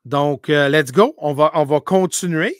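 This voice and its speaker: A man who grew up speaking English, talking in as a paranormal streamer in a casual interview, telling animated stories full of restarts and English words. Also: a little high, measured pace, dry recording, studio quality. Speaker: paranormal live streamer, guest.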